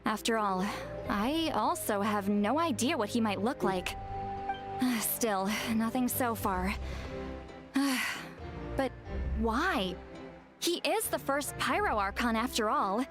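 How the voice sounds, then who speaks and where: A woman's voice: on the high side, lively intonation, slow pace, long pauses. A woman voicing a young female sorceress nicknamed granny, dry and teasing, who sighs often. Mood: wry. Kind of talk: game voice acting. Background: game music.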